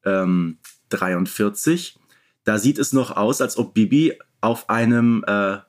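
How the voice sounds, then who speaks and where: A man's voice: fairly low pitch, takes it slowly. A man co-hosting a podcast, talking casually as a fan and explaining points in an informal discussion. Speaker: podcast co-host.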